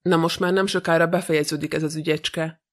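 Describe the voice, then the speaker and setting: A man's voice: a little high, flat delivery, lightly acted. A man reading the lines of a cocky, arrogant young detective in an audiobook, brash and mocking.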